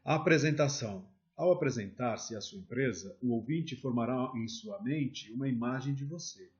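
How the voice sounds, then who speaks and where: A man's voice: mid-range voice, darkish tone, lo-fi sound. A man with a Brazilian Portuguese accent teaching a sales lesson, speaking straight to viewers and walking through examples. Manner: instructive, addresses viewers directly with examples. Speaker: sales trainer.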